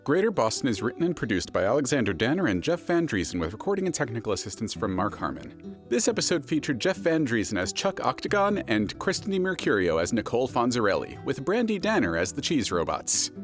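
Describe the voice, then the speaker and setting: A man's voice: medium pitch, sing-song, fast, faint music behind. A man reading scripted end credits as an announcer.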